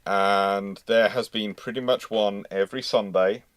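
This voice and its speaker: A man's voice: lowish voice, steady tone, a little slow, clear, resonant tone, no echo. A man hosting a casual livestream, chatting in a rambling way as he thinks aloud. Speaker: host of a naval history livestream.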